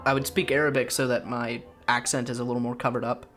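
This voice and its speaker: A man's voice: mid-range voice, little pitch movement, quick pace, music in the background. Tentative man playing a tabletop game. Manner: tentative, with fillers. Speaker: player. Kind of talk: casual tabletop play.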